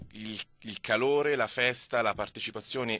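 Speaking at a fairly slow pace, a man has a bright, sharp tone and fairly even intonation, recorded dry with no echo. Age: 30s. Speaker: sports journalist. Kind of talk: casual chat. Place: studio. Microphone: studio mic.

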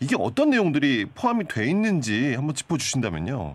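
A man talks rather briskly, his pitch leaping across a very wide range. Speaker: radio current affairs host. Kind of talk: radio current affairs show. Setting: radio studio. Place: studio.

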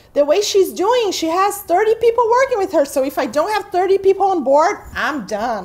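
A woman talks at a moderate pace with an extremely high pitch and very wide pitch swings. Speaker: interview guest. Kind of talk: interview answer. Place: studio.

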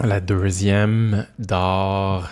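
A man's very deep, low voice in a flat monotone. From Quebec, Joliette. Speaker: podcast host. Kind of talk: casual chat.

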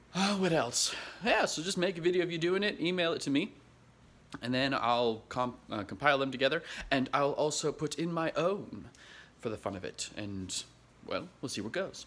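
At a moderate pace, a man talks with vocal fry and very wide pitch swings. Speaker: vlogger announcing a contest. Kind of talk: casual vlog chat. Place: home room. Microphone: phone near.

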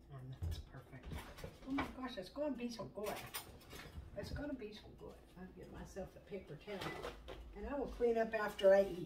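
A woman's voice at a moderate pace, with long, frequent pauses, big swings in loudness and noticeable background noise. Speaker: home cook vlogger. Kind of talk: casual vlog chat. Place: kitchen.

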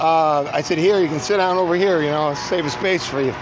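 Against noticeable background noise, a man with a high voice speaks with ordinary pitch variation in a dry sound with no echo. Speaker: vlogger. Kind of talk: casual vlog chat. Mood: casual, a bit rambling. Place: street. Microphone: phone near.

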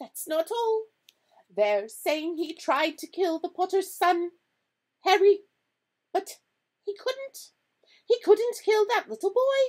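A woman's put-on character voice, extremely high and shaky, with lively intonation, big swings in loudness, a fairly slow pace and long, frequent pauses, in a dry, close sound with no echo. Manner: trembling, shaken.

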